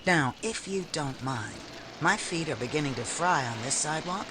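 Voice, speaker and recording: A man's voice: fairly high pitch, animated, moderate pace, music in the background, natural voice, low-quality recording. A man voicing a brassy, sarcastic small-business owner in 1940s radio drama style, snappy and brusque. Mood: hostile, dismissive. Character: brassy, tough, sarcastic secretarial service owner Connie.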